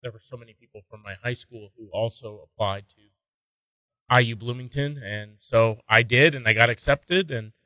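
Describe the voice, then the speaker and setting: A man's voice: medium pitch, moderate pace, sharp tone, no room sound, poor audio. A man in his forties, a pastor and interview guest, answering thoughtfully and a little hesitantly. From San Francisco Bay Area, raised in Indiana. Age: 40s.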